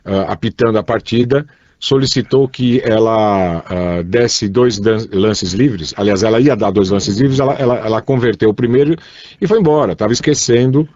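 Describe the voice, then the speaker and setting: Radio co-host, low-voiced man, careful and joking, muffled dry studio. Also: a little mellow, no room sound. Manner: slow, careful spelling out of web addresses, joking. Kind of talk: casual radio chat. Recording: dull, dry studio sound.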